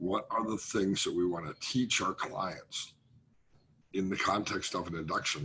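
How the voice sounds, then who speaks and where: With an American accent, this man talks at a moderate pace. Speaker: hypnotist. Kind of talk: casual chat. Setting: video call.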